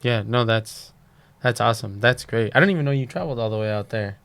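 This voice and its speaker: Male podcast host of average pitch, eager and affirming, asks loose friendly questions. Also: vocal fry, fairly bright tone. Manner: eager, quick to affirm with "yeah" and "that's awesome". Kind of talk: casual interview chat.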